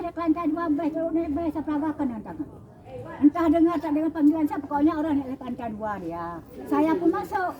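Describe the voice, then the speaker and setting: An older woman telling what she saw as an eyewitness, animated and acting out the cries and calls of others. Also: high voice, dull audio. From Aceh, Indonesia. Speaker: tsunami eyewitness speaking to visitors. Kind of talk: emotional eyewitness storytelling. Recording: crowd of listeners around. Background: crowd.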